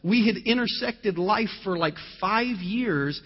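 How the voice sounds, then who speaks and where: Male pastor, sermon, conversational storytelling, fairly high voice, muffled lo-fi recording. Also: animated, slow. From Ohio, USA. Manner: conversational storytelling with scripture quotes. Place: church. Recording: dull lo-fi sound with long hall reverb.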